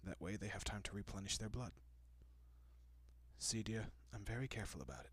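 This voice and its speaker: Man acting soft, low, breathy gentleman vampire. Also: animated, fairly quick, no room sound. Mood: calm, explaining. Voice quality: soft, breathy, often dropping to a whisper. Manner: hushed, reassuring, politely old-fashioned. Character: gentle, courteous wealthy male vampire, soothing and possessive. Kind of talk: intimate audio roleplay, addressing the listener.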